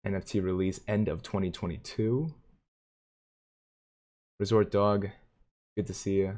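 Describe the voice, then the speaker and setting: A man hosting a live stream, commenting on stock charts and reading viewer comments aloud with excitement. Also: sits low, measured pace. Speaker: livestream host.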